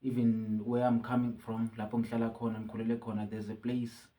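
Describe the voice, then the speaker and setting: South African male musician guest, easygoing, hesitant restarts, mid-pitched. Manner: relaxed, halting with many restarts. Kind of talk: casual interview, code-switching.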